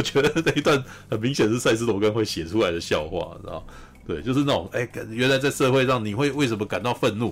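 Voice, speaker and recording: Talking at a very fast pace, a man sounds animated, with lively intonation at a medium pitch. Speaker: film podcast host. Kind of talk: casual chat. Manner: loud.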